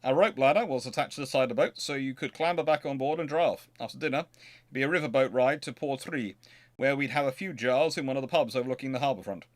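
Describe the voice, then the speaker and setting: A man's voice: medium pitch, quick pace. A man hosting a naval history show, speaking informally as he answers questions and reads aloud, often correcting himself. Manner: hesitant, thinking aloud, self-correcting.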